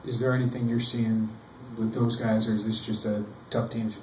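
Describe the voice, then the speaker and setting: A man's voice: lowish voice, flat delivery, moderate pace, a little mellow. A man, a reporter, asking questions at a press conference. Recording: distant, echoey room, faint noise.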